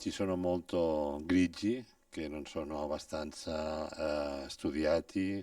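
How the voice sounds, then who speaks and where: A man with a non-native accent speaks at a very slow pace in a very deep, low voice with a dark, mellow tone and ordinary pitch variation, on a very clean recording with a silent background. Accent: non-native Italian. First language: Spanish or Catalan (speaking Italian). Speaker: film historian. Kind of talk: introductory talk. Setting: cinema hall with audience. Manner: halting, many fillers.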